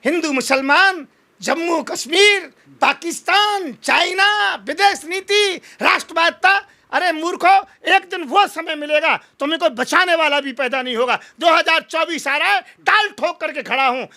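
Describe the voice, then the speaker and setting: Man, very high voice, bright forceful tone, combative political oratory. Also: moderate pace. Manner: combative, emphatic oratory with rhetorical challenges. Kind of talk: impassioned political interview.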